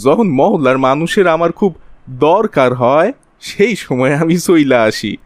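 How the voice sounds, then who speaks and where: A man's voice: a little high, expressive, unhurried, no room sound. A man playing a scheming city profiteer in a cartoon, with a Bangladeshi accent and a wheedling, colloquial, exaggerated way of talking. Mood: ingratiating. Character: scheming city man, sly profiteer spreading virus panic. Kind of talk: Bengali cartoon voice acting.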